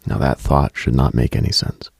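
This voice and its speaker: Speaking in a whisper, this man runs a late-night radio program on mystical themes, telling eerie, reflective tales in a hushed, halting, musing way. He has a gravelly, husky, breathy bass voice held close to the microphone, with a steady tone and no echo.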